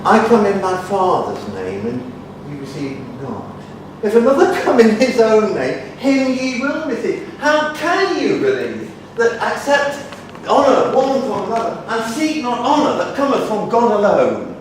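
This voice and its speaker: A man's voice: sits high, big pitch swings, measured pace, hardly any pauses, voice pushed up. A man voicing Jesus as a grave, authoritative grown man, declaiming solemnly and emphatically in a dramatic scripture recitation. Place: conference hall. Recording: echoey hall from far off, noisy.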